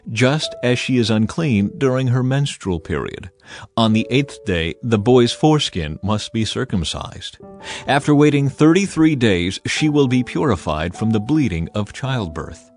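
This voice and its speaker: A male narrator reads scripture for a dramatized audiobook. His voice sits at an average pitch, and his delivery is solemn and deliberate. Music plays clearly behind him throughout. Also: darkish tone.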